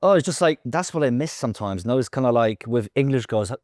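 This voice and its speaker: A man guesting on a podcast, relaxed and casual, swearing and leaning on fillers like "you know". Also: mid-range voice, fast, no echo, clean studio sound. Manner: laid-back, profane, lots of fillers. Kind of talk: casual chat.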